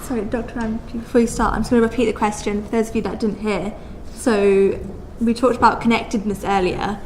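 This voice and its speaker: A woman's voice: fairly high pitch, level tone, fairly quick, a little mellow. Lady running the q&a, asking and rephrasing questions, echoey room, noisy. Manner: questioning, clarifying. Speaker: moderator. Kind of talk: moderating a Q&A. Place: lecture room with audience. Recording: echoey room with background noise.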